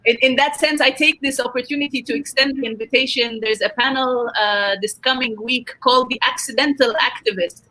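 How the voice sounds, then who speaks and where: A woman's voice: high voice, steady tone, fairly quick, few pauses, sharp tone, low-quality recording. A woman hosting a live online panel discussion. She reads out viewer comments and answers them, and turns firm and passionate when she sets a point straight. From Sudan, grew up in Egypt. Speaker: panel host.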